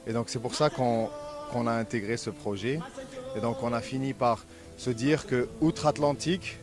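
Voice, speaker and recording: A man's voice: mid-range voice, steady tone, normal speed. A male student answering an interview, earnest, with fillers. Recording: music playing over the voice.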